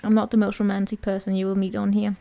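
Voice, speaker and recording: A woman's voice: mid-range voice, completely flat delivery, fast talker, creaky, mellow. A woman giving a casual tarot reading in a chatty, rambling way, often checking in with the listener. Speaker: tarot reader.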